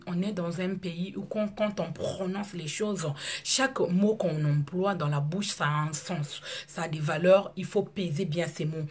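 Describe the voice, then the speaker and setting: A woman in her thirties from Congo, whose first language is Lari, talking to her viewers in an outspoken monologue with frequent halting restarts. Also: lowish voice, breathy edge. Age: 30s. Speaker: video blogger. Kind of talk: casual monologue to camera.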